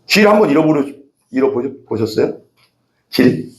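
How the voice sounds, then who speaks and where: Man, pastor, casual conversational sermon, lively swooping delivery, echoey church room. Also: mid-range voice, normal speed. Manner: chatty, asks the congregation questions. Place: church sanctuary.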